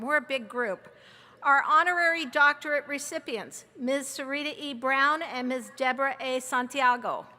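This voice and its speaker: A woman serving as interim provost, reading formal introductions of names and titles in a measured way. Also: sits high, sharp tone, in a large hall. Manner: measured, reads a long list of names and titles. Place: large outdoor or hall ceremony over a PA.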